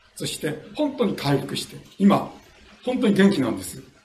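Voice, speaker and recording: Amid noticeable background noise and audible room echo, a man speaks at a moderate pace with a fairly high pitch and very wide pitch swings. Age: 80s+. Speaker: pastor. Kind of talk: sermon. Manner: casual.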